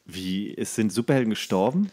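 Jokey man, slightly low voice, chatting. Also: animated, fairly quick, a little mellow, breathy edge. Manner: jokey, rambling, questioning. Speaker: podcast co-host. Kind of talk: casual chat.

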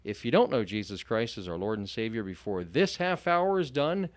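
A male host opens a Christian radio show in an emphatic, preacherly way, stacking repeated phrases. His voice sits at a middle pitch. The studio sound is dry and close. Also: expressive, moderate pace, no room sound.

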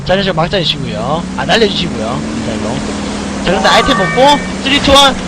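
Hyped streamer guy, super high voice jumping all over, shouting at his team, loud game music behind. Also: brisk, heavy background noise. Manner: excitable, yelling orders and curses at teammates. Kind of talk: live game commentary. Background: racing game music and engine sounds.

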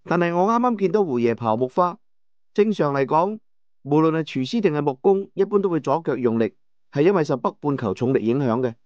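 A man's voice: a little high, lively intonation, dry recording, muffled recording. Male audiobook narrator, dry and close. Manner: storytelling, measured. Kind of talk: first-person audiobook narration. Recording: dry studio with soft music.

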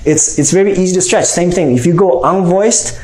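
A man's voice: high-pitched, a little fast, dark tone. Echoey male teacher giving a lesson. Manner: explanatory, frequent "okay?" check-ins. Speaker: reading teacher. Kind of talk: instructional phonics lesson. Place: small room indoors. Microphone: lapel mic. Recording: roomy, echoing indoor sound.

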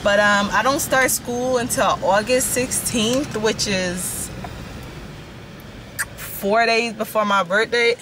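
A woman's voice: fairly high pitch, steady tone, slow. A young woman vlogging, chatting casually to viewers, filmed on a phone held at arm's length. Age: young adult. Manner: chatty, addresses viewers as y'all, laughs often. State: slightly raspy from yelling at a concert. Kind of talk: casual vlog chat. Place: inside a car, then in a store. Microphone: handheld phone camera at arm's length. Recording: background noise from car and store.

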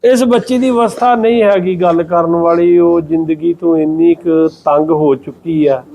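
Earnest high-voiced male reporter. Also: creaky, lo-fi sound, a little hiss or hum. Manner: earnest, appealing for help. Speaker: field reporter. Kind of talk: field news report and interview.

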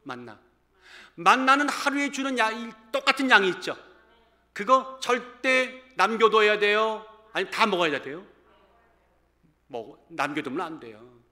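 Preaching in a church sanctuary, a man in his fifties with a high-sitting voice takes an unhurried pace. The pastor stays animated, moving from loud exclamations to hushed asides as he addresses the congregation.

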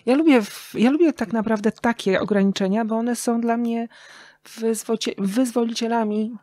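A middle-aged woman talking casually and reflectively as a podcast guest, telling stories expressively with thoughtful pauses. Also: a little high, mellow, no echo. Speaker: interview guest, radio journalist and writer.

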